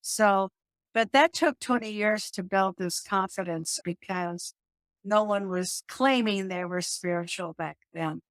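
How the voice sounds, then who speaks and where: Middle-aged woman, calming voice, animated, dry close sound. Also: mid-range voice, a little slow, no echo. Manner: animated, laughs often, restarts sentences. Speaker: guest, yoga teacher and hypnotist. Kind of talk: conversational interview.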